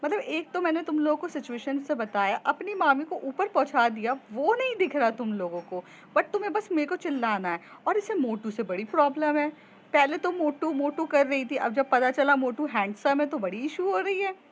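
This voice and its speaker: A woman's voice: on the high side, measured pace, lo-fi sound, slight background noise. A woman voicing a young woman student, grieving yet defiant and teasing, in a storytelling podcast. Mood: defensive. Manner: pleading, then defensive and teasing.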